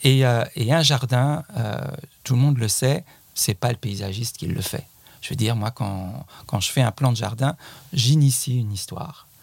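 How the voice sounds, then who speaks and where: This man sounds somewhat breathy. He leaves long pauses, and often. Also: medium pitch for a man, ordinary pitch variation, fairly slow pace. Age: 60s. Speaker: landscape gardener and author. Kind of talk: casual chat. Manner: halting.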